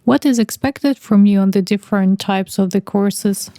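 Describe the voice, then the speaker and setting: Mellow-voiced young woman interviewer. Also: medium pitch, normal speed. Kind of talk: podcast interview, read intro then questions.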